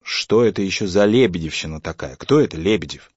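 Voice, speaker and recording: A man's voice: low-pitched, lively intonation, brisk, darkish tone, husky, dry recording, dull audio. A man reading a story, voicing a mild, puzzled old father questioning his son.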